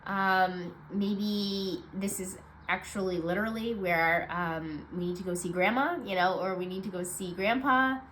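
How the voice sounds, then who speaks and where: A woman with a stuffed-up, nasal voice giving a casual weekly card reading, low on energy and rambling with many fillers. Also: a little slow, few pauses, a bit bright, a little hiss or hum, rough recording. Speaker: tarot card reader.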